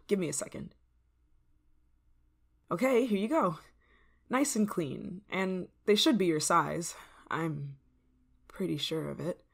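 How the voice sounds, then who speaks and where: A woman voices a controlling, obsessed neighbor for ASMR, her soft speech sliding into whispers full of sugary, creeping threat. Her tone is lowish and gravelly.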